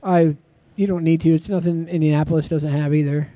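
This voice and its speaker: A man from Ohio hosts a live podcast from a convention stage. His voice sits high yet mellow and soft-edged, and his delivery is chatty and eager. The sound is dry and close. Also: steady tone, fairly quick, no echo. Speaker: podcast host.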